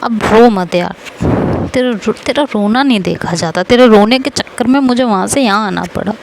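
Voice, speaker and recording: A woman's voice: fairly high pitch, moderate pace, slight background noise, natural voice, rough recording. A woman voicing a young woman who consoles her best friend with coaxing affection. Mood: consoling. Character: young woman friend, teasing then tender, confesses love.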